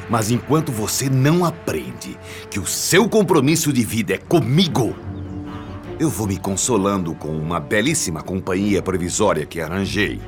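A man's voice: fairly low pitch, creaky. An actor with a Brazilian accent playing a possessive, menacing, mocking father-in-law in a radio soap opera. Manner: domineering, mocking, theatrical. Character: possessive, menacing older father-in-law obsessed with a young woman.

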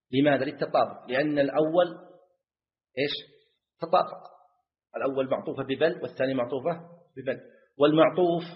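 Male Islamic scholar, classroom lesson, repeats and quizzes, mid pitch, dull lo-fi lecture tape. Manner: repeats key phrases, quizzes students. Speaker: Islamic scholar teaching jurisprudence.

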